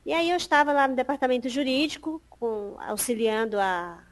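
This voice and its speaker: Guest: high-voiced middle-aged Piauí-accented woman, lively storyteller who mimics the people she quotes. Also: moderate pace. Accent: Piauí Brazilian Portuguese. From Piauí, Brazil. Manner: animated, acts out quoted dialogue, laughs often. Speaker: podcast guest. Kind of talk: casual storytelling interview.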